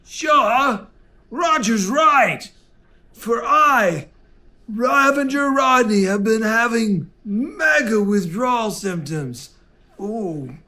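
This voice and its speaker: An actor playing a pompous, blustering wasteland raider who talks in a mock-formal way. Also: male voice, extremely high pitch, expressive, extremely slow, bright, forceful tone, full character voice. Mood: boastful.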